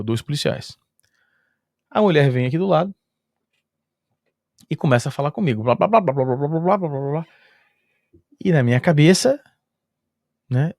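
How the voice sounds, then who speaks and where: A man with a Brazilian Portuguese accent telling a travel story in a casual, lively way, chuckling often and using sound-effect filler words. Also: fairly high pitch, dry recording, studio quality.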